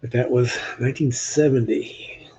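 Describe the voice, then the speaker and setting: A man's voice: mid-range voice, steady tone, moderate pace, dark tone, husky, rough recording. An older man from New Hampshire with a slight Southern drawl, chatting casually with viewers on a live stream and joking as he shows old photos. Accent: Southern US with New England traces.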